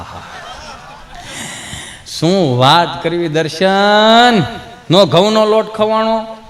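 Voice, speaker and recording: A man telling folk comedy stories on stage, acting out the dialogue with sudden jumps in voice. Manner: animated storyteller, acts out dialogue with sudden pitch jumps. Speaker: stand-up comedian. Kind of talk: Gujarati folk comedy storytelling. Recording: stage mic with long hall reverb.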